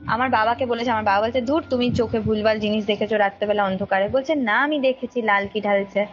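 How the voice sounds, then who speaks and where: High-voiced young woman, muffled call. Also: steady tone, fast talker, a little hiss or hum. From India. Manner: emphatic, repeats phrases for emphasis. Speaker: caller recounting a ghost story. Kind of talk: casual personal storytelling. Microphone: phone call. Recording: dull lo-fi call recording, music behind. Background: background music.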